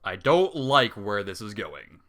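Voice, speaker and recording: A man's voice: on the low side, big pitch swings, a little slow, a bit bright. A man reading a story aloud and breaking off into exasperated, sarcastic, swearing commentary. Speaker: fan fiction reader.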